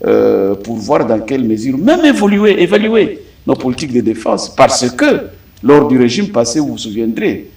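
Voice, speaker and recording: A Congolese man speaking as a political analyst in a debate, deliberate and emphatic, pausing often to hesitate. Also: medium pitch, gravelly, a little mellow, far from the mic. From Democratic Republic of the Congo. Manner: deliberate, frequent hesitations, rising emphatic stresses. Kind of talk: studio debate commentary.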